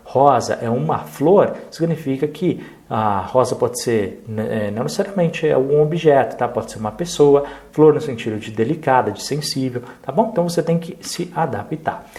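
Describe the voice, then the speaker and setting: A man with a Brazilian Portuguese accent teaching a review lesson at a middle pitch. He explains each point step by step and keeps checking in with his listeners through short tag questions. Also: expressive, moderate pace, few pauses, mellow.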